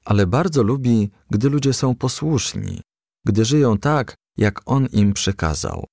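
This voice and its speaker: Narrator, male, low gravelly voice, lively children's-book reading, dry close mic. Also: measured pace, no room sound. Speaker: audiobook reader.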